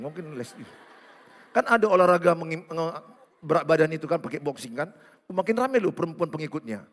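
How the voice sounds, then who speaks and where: A male pastor, preaching a teasing, animated sermon and acting out quoted voices. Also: high-pitched. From Indonesia. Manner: lively, teasing, acts out quoted voices, swings between loud and hushed. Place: large church hall. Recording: long hall reverb.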